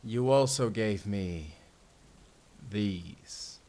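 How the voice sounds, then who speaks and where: A man playing a suave, menacing fantasy villain in an audio drama, speaking with theatrical, deliberate politeness and command. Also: on the low side, expressive, dark tone. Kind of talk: audio roleplay acting.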